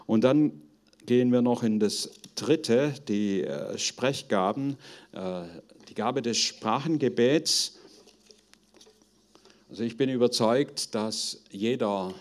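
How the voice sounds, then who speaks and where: A middle-aged man teaching a group in an informal sermon, earnest and conversational, often halting as he searches for words. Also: medium pitch. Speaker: preacher teaching on spiritual gifts.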